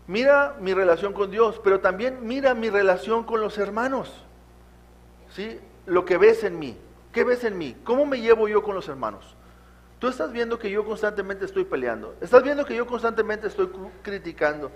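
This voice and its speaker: A man's voice: high voice, lively intonation, normal speed. A man, a pastor, preaching a sermon to his congregation, exhorting them with frequent rhetorical questions. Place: church.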